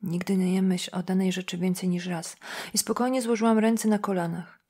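A woman reading a novel aloud as a first-person audiobook narrator, in a quiet, measured, inward tone. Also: medium pitch, fairly even intonation, husky.

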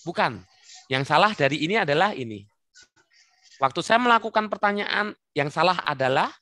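A man runs an online workshop over a video call, calling on participants by name and teasing them along. His pitch leaps and falls constantly as he talks. The sound is bright and dry, with no room around it. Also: expressive, moderate pace, no echo. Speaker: webinar trainer. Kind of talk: interactive online workshop talk.

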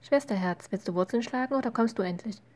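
A cocky, teasing young twin brother, read by a woman in her own voice. He talks quick and a bit louder than the narration. His voice stays low and fairly flat. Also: close to an everyday voice.

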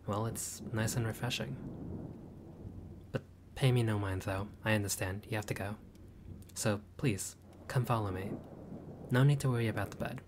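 A friendly vampire lord of a manor, as a man plays him, caring and eager to please. His voice sits a little low, polite and upbeat, now and then flustered. An audio roleplay spoken straight to the listener. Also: a little hiss or hum, lightly acted. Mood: gentle.

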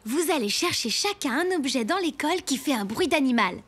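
A woman's voice: sits high, lively intonation, brisk. A woman voicing a kindly, playful nursery school teacher in a children's cartoon, encouraging as she addresses small children. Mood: cheerful, instructing. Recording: loud music behind the voice.

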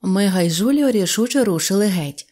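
A woman's voice: mid-range voice, fairly quick. Woman reading a children's story aloud. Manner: lively storytelling, voicing characters. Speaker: audiobook narrator.

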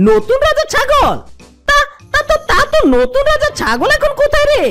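A woman's voice: very high voice, wildly swooping pitch, slow pace, sharp tone, soft background music, full character voice. A woman voicing a greedy, bullying but cowardly fox villain in a children's cartoon, with a taunting way of talking. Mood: scornful, suspicious. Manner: taunting, sneering, stammering when startled.

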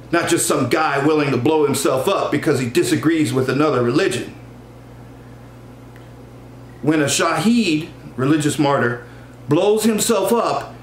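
A middle-aged American man, an author presenting and reading from a novel, speaking in a deliberate manner. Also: a little high. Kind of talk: introducing and reading aloud an excerpt from a novel. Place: small room at home, indoors. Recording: roomy echo, faint background hum.

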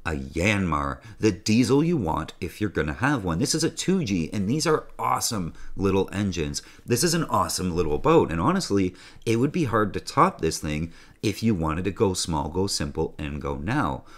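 Deep-voiced man hosting a sailing video. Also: very animated, normal speed, hardly any pauses. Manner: enthusiastic, joking, conversational. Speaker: sailing channel host. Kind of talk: casual video presentation. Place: small indoor room.

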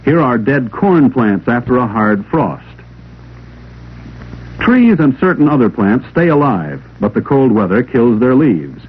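Male narrator for vintage classroom science film: medium pitch, expressive rise and fall, didactic read, thin phone-like 16mm sound. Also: measured pace, breathy edge. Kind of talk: scripted instructional narration, 1950s classroom film. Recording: old 16mm film soundtrack, narrow telephone-like band.

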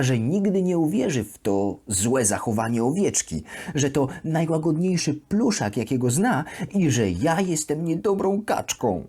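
Lady playing a sweet naive toy duck telling a kids bedtime story, really slow, pitch swooping around, bit husky. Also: exaggerated voice. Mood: ashamed, earnest. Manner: expressive, deliberate storytelling. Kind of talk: children's bedtime audio story, diary narration.

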